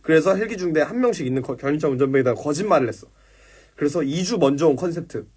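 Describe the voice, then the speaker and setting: A man's voice: a little high, lively intonation, fast talker, darkish tone, slight background noise. A young man casually telling a rambling, profane story on a livestream and acting out quoted dialogue. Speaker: livestream host.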